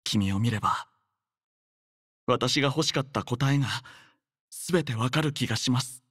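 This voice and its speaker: A male voice actor playing a composed, dutiful young android squad leader in an anime game, speaking politely and formally with measured, gentle care. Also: mid-range voice, no room sound, clean studio sound, lightly acted. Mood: tender, reflective. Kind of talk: anime game character voice lines.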